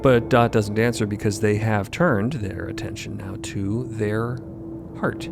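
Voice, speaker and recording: A man giving dramatic scripted narration for audio fiction, deliberate and suspenseful. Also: lowish voice, fairly even intonation, vocal fry, music in the background.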